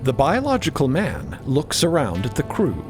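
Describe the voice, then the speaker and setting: A man giving expressive scripted narration for an audio drama. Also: medium pitch, normal speed. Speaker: narrator and voice actor. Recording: music behind.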